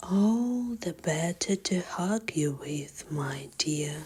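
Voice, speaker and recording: Whispering at a very slow pace, a soft-spoken speaker uses a put-on character voice. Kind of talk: ASMR fairy tale bedtime reading. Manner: soft-spoken, whispered, gentle.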